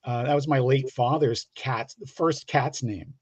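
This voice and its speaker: A middle-aged man from the Pittsburgh area in the United States, chatting casually as a guest and telling rambling, halting anecdotes. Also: medium pitch, fairly even intonation, a little mellow, slightly rough. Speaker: guest comic book creator. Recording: dull lo-fi, roomy call audio.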